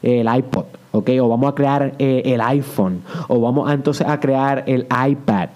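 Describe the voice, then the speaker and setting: Mellow-voiced podcast host. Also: male voice, mid-range voice, measured pace. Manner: conversational, sprinkles English words, repeats for emphasis. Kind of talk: motivational monologue.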